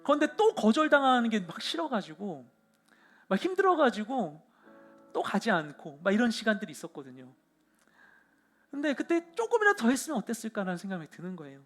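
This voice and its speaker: Young guy pastor telling a story in his sermon, high voice that jumps all over, lots of fillers. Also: a little fast, soft background music. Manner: storytelling with frequent fillers, animated retelling. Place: church hall.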